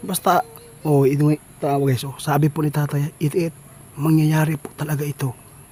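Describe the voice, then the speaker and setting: With noticeable background noise behind him, a man talks at a fairly quick pace in a fairly high pitch with monotone, flat intonation. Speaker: paranormal vlogger. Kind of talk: vlog narration. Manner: halting.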